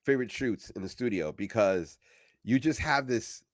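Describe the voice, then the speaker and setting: Male co-host, mid-pitched, energetic storyteller who acts out quotes, stammers a bit; dry close mic. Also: moderate pace, no echo. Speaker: podcast co-host. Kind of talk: casual chat, storytelling.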